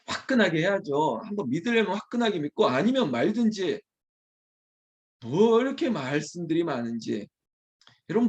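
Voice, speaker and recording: Lively-voiced man preaching a sermon. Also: high-pitched. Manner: candid, teasing scolding with quick apologies; conversational asides to a small congregation. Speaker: pastor. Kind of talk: early morning prayer sermon.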